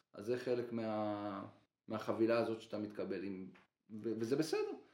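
Audible room echo surrounds a man who talks fairly slowly. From Israel, Haifa. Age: 30s. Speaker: lawyer and former deputy mayor. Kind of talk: interview.

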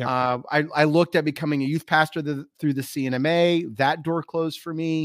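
Over a silent background on a very clean recording, a man with an American accent has an ordinary speaking voice at a fairly high pitch. He speaks at a moderate pace with ordinary pitch variation, the sound dry and close with no echo. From Western Pennsylvania. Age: 50s. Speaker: nonprofit CEO. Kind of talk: casual interview.

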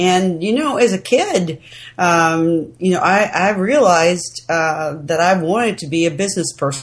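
Against a quiet background, a woman with an American accent and a plain, everyday voice speaks at a fairly slow pace with ordinary pitch variation. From US South (Mobile, Alabama). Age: 50s. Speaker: leadership and workforce consultant. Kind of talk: interview.

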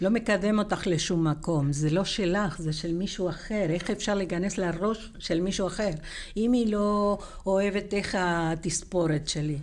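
Speech comes at a moderate pace with an Argentine accent and ordinary pitch variation. The loudness stays very even throughout. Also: woman, medium pitch for a woman. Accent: Argentine Spanish accent in Hebrew. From Argentina. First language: Spanish (speaking Hebrew). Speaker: payment analyst. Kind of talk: casual interview.

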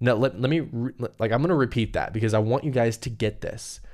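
A man speaks at a medium pitch in an animated tone with lively intonation, on a very clean recording with a silent background. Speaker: podcast host and wedding business coach. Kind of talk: solo podcast monologue. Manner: fast.

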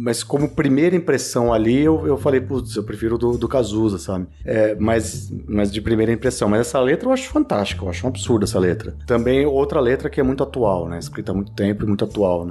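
The speaker moves at a fairly quick pace with lively intonation and hardly any pauses, over noticeable background noise. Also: man, medium pitch for a man. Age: 30s. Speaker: podcast panelist. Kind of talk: casual chat.

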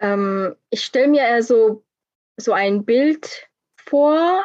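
A woman with a Korean accent. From South Korea, Busan. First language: Korean (speaking German). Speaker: doctoral student. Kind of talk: interview.

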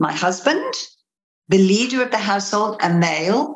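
A woman with an Australian accent speaks at a fairly slow pace and medium pitch, her intonation lively. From Australia, born in Liverpool. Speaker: cult survivor. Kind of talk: testimony. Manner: halting.

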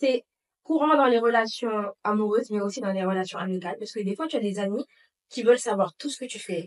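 A woman with an unremarkable speaking voice talks at a fairly quick pace and fairly high pitch, with ordinary pitch variation, in a dry, close sound with no echo. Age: 20s. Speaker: podcast guest, host's best friend. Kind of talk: casual chat. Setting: pyjama party chat.

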